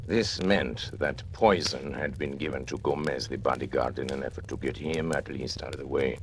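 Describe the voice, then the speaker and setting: An actor playing a cold, scheming male master criminal who narrates his own plot in grandiose, measured old-time radio style. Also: extremely low pitch, a little hiss or hum. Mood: coldly boastful. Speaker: first-person narrator. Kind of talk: 1940s radio acting.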